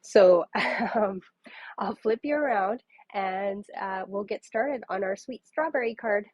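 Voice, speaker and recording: A woman's voice: medium pitch, slow pace, darkish tone, dry recording, highs cut off. A woman with a cold and a nasal voice, chatting casually on a papercrafting livestream and greeting viewers by name. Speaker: papercrafting demonstrator. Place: home craft table.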